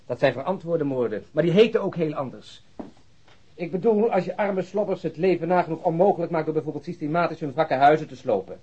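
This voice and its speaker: An actor playing a cynical police detective in a radio play, long-winded and mockingly polite. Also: male voice, a little high, fairly quick, warm tone, husky. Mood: bitter sarcasm. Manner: sardonic, long-winded monologue, mock politeness. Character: cynical, ranting, sarcastic male police detective colleague. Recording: muffled, dull radio play recording.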